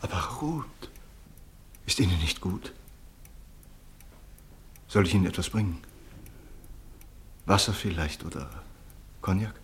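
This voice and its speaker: An actor playing a sober, solicitous doctor and family friend in a radio drama, measured and gently admonishing. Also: male voice, sits low, lively intonation, slight background noise. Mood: concerned. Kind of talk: mid-century German radio drama acting.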